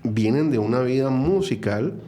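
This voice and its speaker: A man's voice: mid-range voice, animated, normal speed, warm tone. Earnest Venezuelan man on faith and music. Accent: Venezuelan Spanish. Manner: earnest, reflective, many fillers and restarts. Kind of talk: conversational interview.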